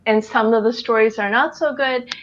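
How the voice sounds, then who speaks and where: A woman's voice: a little high, fairly even intonation, normal speed, a bit bright. Upbeat woman host, lo-fi sound. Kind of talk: hosting a live video chat.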